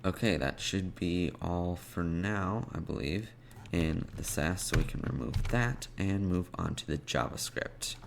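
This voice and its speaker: A man narrates a coding screencast as he works, thinking aloud in short, unscripted fragments. His voice is very low with a creaky fry, and he takes his time. Clear background noise sits behind him, with keyboard typing and mouse clicks. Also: lively intonation, a little slow. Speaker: programming tutorial presenter.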